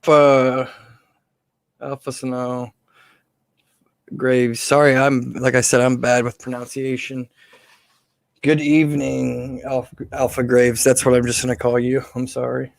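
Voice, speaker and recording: A man with a slightly hoarse voice hosting a casual live question-and-answer stream, speaking informally and haltingly off the cuff. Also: mid-range voice, little pitch movement, no echo.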